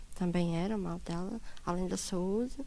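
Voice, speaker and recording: A woman talks at a fairly slow pace. Her tone is dark and mellow, her pitch medium. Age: 60s. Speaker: church member giving testimony. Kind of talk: testimony.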